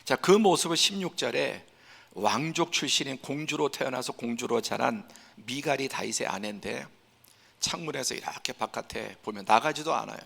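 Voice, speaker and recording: Male pastor, gravelly tone, preaching with emphatic build-ups, long church-hall reverb. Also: medium pitch, animated, normal speed. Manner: emphatic, building to forceful peaks; acts out scenes in a hushed voice. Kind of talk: Sunday sermon. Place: church sanctuary.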